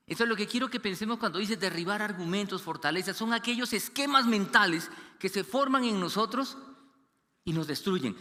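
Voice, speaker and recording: A man preaching a sermon as pastor, animated, acting out quoted voices and dropping low and quiet for serious stories. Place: church hall. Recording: long church reverb.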